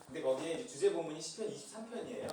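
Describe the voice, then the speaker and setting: A man's voice: on the high side, lively intonation, rapid-fire, noisy background. A man preaching a sermon as a pastor, casual and chatty with chuckling asides. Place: church sanctuary. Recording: echoey church hall from far off.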